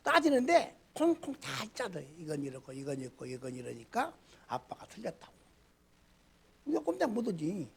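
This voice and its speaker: A middle-aged male pastor preaching a sermon in a colloquial style, with loud outbursts, low mutters and rhetorical questions to the congregation. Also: wildly swooping pitch, normal speed, gravelly, husky.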